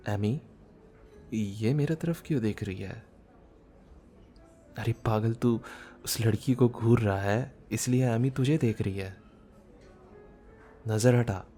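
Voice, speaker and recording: A man acting a shy, bookish man in his thirties in an intimate ASMR romance roleplay, speaking softly as if musing, with some background noise. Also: lowish voice. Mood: self-chiding. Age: 30s. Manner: soft, unhurried, intimate, musing. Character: shy, bookish, self-doubting thirty-year-old man, tender romantic lead. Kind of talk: ASMR boyfriend roleplay audio drama.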